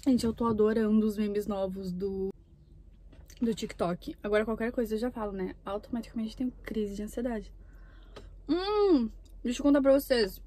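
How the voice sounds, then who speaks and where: Filming a mukbang from her parked car with a dashboard camera, a young Brazilian woman chats casually as she eats. Her mellow voice sits on the high side and moves at a moderate pace.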